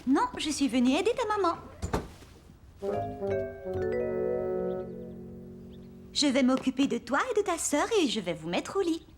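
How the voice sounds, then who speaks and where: Babysitter for kids' animation: young, friendly, coaxing, high voice, bouncy intonation. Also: female voice, big pitch swings, quick pace, loud music behind the voice. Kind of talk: French-language children's cartoon dialogue.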